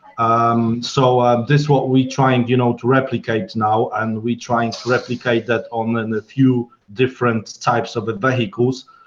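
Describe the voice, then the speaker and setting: A man talks at a moderate pace and medium pitch, his intonation flat and monotone, with hardly any pauses. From Poland. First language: Polish. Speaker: workshop participant, technology experimenter. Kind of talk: online workshop discussion. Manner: halting, many fillers.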